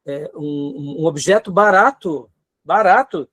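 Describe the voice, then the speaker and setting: This seminary teacher, a man with a Brazilian Portuguese accent, lectures earnestly and exhorts his students, posing rhetorical questions and checking in often with tag questions. His voice is on the high side and fairly bright, and he takes it slowly.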